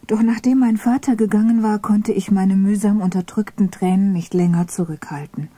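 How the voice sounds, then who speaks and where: A woman narrates a memoir in a hushed whisper, steady and close to the mic. Her voice is breathy and dark, and the recording is dry with no room sound. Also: mid-range voice, moderate pace, no echo. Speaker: reader of a memoir. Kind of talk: whispered reading.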